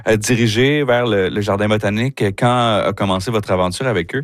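Low-voiced male radio interviewer, dry sound. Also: dry recording. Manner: friendly, halting questions with many restarts.

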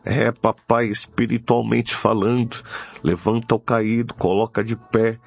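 Slow, gravelly Brazilian man praying. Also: on the low side, level tone, no room sound. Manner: repetitive, pleading, with frequent devotional interjections. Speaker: preacher leading prayer. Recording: dull lo-fi audio with music behind. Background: music.

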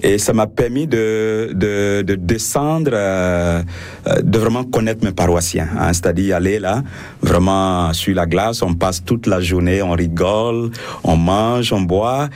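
A French-speaking priest with a very deep voice talks slowly and haltingly, restarting his sentences often. His is a radio interview answer, thoughtful and unhurried. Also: darkish tone. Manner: hesitant, many fillers and restarts.

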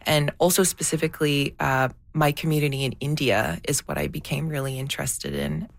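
A low-pitched woman with a gravelly edge talks through her answers slowly and thoughtfully. She hesitates and restarts as she works out what she means. The recording is dry and close. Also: no room sound. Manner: thoughtful, searching for words, many fillers and restarts. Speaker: documentary filmmaker, guest. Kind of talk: reflective interview answers.

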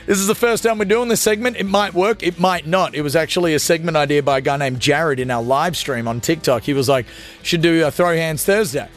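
A man's voice: a little high, brisk, soft background music. A young Australian man hosting a late-night radio show, ranting crudely and comically to listeners in a studio. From Australia (Gold Coast, Queensland). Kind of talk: energetic talk radio monologue.

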